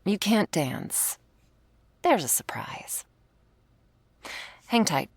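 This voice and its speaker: A woman's voice: on the low side, big pitch swings, very slow, no room sound. A woman performing an ASMR roleplay as a commanding, teasing werewolf hunter who instructs the listener. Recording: faint string music behind.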